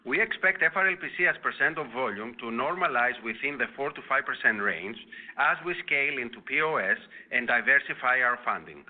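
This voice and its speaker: Man, mid-range voice, corporate finance presenter, formal measured reading, scripted earnings call, narrow phone-quality sound. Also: medium pitch, lively intonation. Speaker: company finance executive. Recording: tinny phone-line conference call audio.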